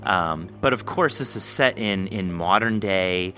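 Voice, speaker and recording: A man's voice: low voice, unhurried, pushed and bright, soft background music. A man hosting a podcast interview in a conversational, effusive and wordy manner.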